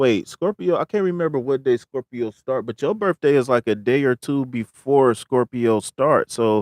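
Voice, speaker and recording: Speaking at a moderate pace, a man uses a medium pitch, an animated tone and lively intonation. The sound is dry and close with no echo, on a very clean recording with a silent background. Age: 30s. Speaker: tarot reader. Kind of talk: live-stream tarot reading. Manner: casual, animated.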